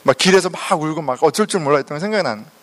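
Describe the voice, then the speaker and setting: A man's voice: fairly high pitch, rapid-fire. A middle-aged man from South Korea telling a personal testimony, laughing often as he talks. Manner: animated storytelling, laughing often. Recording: long hall reverb.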